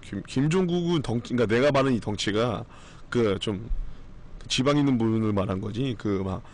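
Male streamer, strained recovering voice, rambling blunt banter, swearing, lively pitch swings. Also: brisk. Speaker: live streamer. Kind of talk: casual live-stream chat.

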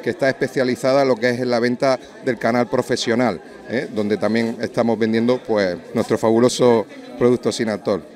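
A man in his forties giving an interview at a busy restaurant event, speaking into a handheld mic with a fluent sales pitch full of "eh" fillers. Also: steady tone, a little fast, darkish tone. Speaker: drinks company representative.

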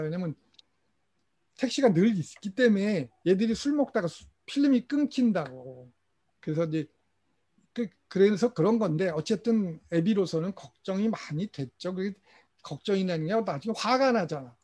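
A man's voice: sits high, mellow. A middle-aged man giving a casual lecture to parents, telling family stories and acting out what people said. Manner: storytelling, mimics family members in quotes, chuckles. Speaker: lecturer at a parent training session. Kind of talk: casual lecture with acted quotes.

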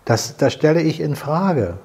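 An older host's voice, fairly high, expressive, darkish and slightly rough, moves at a measured pace during a salon conversation in a living room with a fireplace. He explains earnestly and repeats words as he looks for them.

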